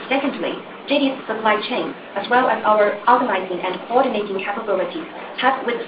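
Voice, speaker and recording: Woman interpreter on a noisy, roomy call. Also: medium pitch. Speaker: interpreter for executive. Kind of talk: read English interpretation of corporate remarks. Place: conference call. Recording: dull, roomy, noisy distant conference line.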